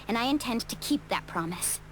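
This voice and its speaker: A woman's voice: a little high, lively intonation, a little fast, noisy background, close to an everyday voice. A woman voicing a resolute, friendly young warrior leader in a video game. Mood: determined. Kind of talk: English video game voice acting. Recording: game music behind. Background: game music.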